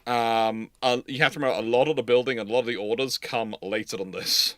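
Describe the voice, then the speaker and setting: A man hosting a naval history livestream, answering questions in casual chat with halting, repetitive phrasing. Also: mid-range voice, fairly even intonation, a bit bright, no echo.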